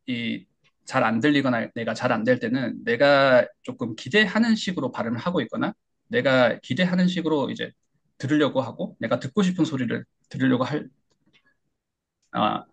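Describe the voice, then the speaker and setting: A man teaching English pronunciation in an online lecture, explaining step by step with frequent hesitation fillers and modeling words with exaggerated pitch. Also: vocal fry, breathy edge.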